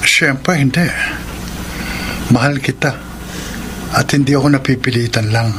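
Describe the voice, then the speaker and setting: A man acting an affable, soft-hearted young gay boyfriend in a radio drama, speaking in an agreeable, expressive way. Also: medium pitch, a little slow, noisy background, lightly acted. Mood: tender. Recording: radio drama with music underneath. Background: dramatic background music.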